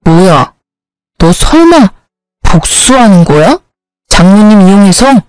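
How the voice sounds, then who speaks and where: A woman's voice: mid-range voice, very animated, slow pace, darkish tone, clear, resonant tone, no room sound, faint music behind, low-quality recording. A woman voicing a young husband who whines and pleads in a storybook narration. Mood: suspicious.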